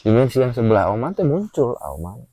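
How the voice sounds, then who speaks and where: A man telling his personal experience in a casual chat, animated and full of fillers. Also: medium pitch, a little fast, husky, dry recording. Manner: animated, with frequent filler "ah" and "A", acts out gestures while telling.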